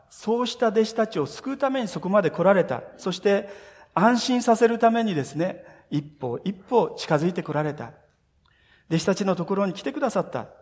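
A man's voice: a little high, darkish tone. A male pastor giving a sermon, telling the story with earnest feeling and speaking straight to his listeners. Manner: earnest storytelling, speaks directly to listeners, voices scripture quotes. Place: church sanctuary. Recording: long reverb of a church hall.

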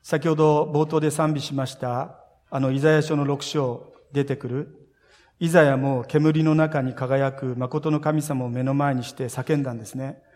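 A man's voice: medium pitch, normal speed. Earnest man preaching in an echoing hall. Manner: earnest, expressive preaching with rising emphasis. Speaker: pastor. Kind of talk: sermon. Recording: long reverb of a large hall.

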